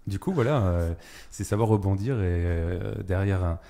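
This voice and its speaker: A man's voice: deep voice, moderate pace, dark tone. A man hosting a casual radio interview, chatting informally with short interjections and tag words.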